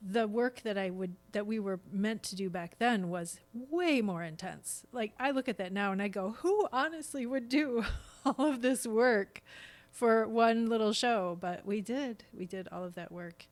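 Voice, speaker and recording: In a conversational interview, a middle-aged stage actor appears as a podcast guest and explains things earnestly. Her voice is medium-pitched and a little slow, with few pauses.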